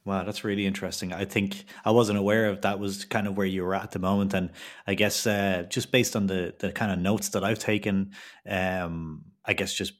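A man's voice: low-pitched, level tone, normal speed. A man hosting a podcast, asking questions in a hesitant way with many fillers. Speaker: podcast host. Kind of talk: casual podcast interview.

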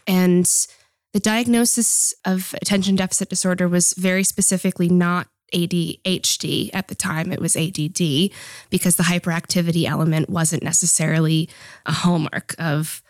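Lively American woman in her thirties. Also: fairly low pitch, moderate pace, dry recording. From Boston, United States. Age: 30s. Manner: lively, theatrical. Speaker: guest. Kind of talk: podcast interview.

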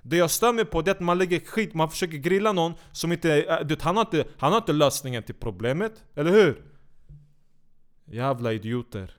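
A man with a high, smooth and resonant voice launches into an angry rant. He swears constantly and mocks his targets with biting sarcasm, scolding them as if they were right in front of him. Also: expressive, few pauses. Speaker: commentator. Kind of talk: heated profane rant.

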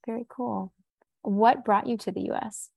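Woman podcast host with a creaky voice. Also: fairly high pitch, steady tone, normal speed, a little mellow. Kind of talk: casual interview.

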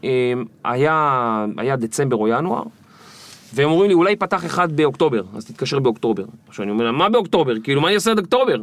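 A man guest on an interview podcast, telling stories in a lively way and acting out the people in them. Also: a little high, dry recording. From Israel. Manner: animated, acts out the people in his stories. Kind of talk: storytelling interview.

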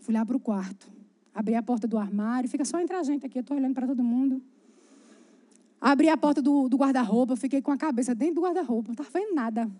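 Woman preacher, high voice, animated and chatty storytelling sermon. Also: fast talker. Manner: animated, chatty, addresses the congregation directly.

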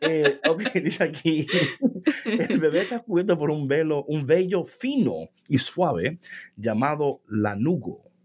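A co-host in a casual chat reads a text aloud, cracking jokes about its words, laughing often, and slipping English into his Spanish. His voice is a little high and darkish with a breathy edge, and he speaks slowly with lively intonation.

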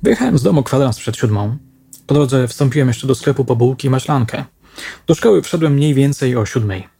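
A man voicing a mild, evasive male teacher around forty who talks quietly and tersely. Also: mid-range voice, expressive, brisk, gravelly, husky, dry recording. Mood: explaining.

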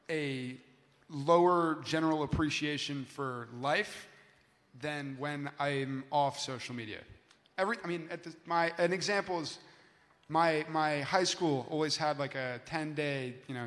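Young American man, fairly high voice, echoing hall. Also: fairly bright tone. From Los Angeles, USA. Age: young adult. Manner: hesitant, searching for words. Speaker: youth panelist, student. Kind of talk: spontaneous panel answer.

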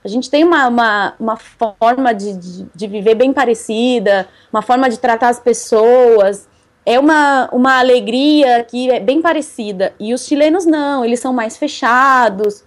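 A woman's voice: a little high, normal speed. A young Brazilian woman telling about her bicycle travels in a casual interview, chatty and laughing often. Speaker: cycle traveler guest.

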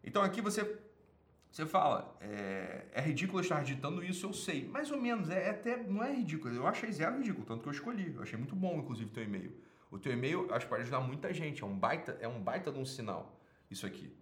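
Brazilian guy giving blunt relationship advice, swears a lot, talks fast, kinda high voice, roomy echo. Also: sing-song, fairly bright tone. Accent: Brazilian Portuguese. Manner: blunt, swears often, emphatic. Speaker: advice show host answering a listener. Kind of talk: casual monologue reading and answering a listener email.

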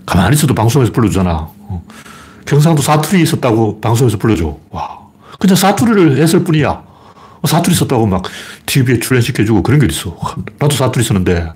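The man's mid-range voice is husky and darkish, with a sing-song lilt and a fast delivery. He hosts a casual livestream in a Gyeongsang dialect, greeting viewers and rambling through commentary full of opinions and mockery.

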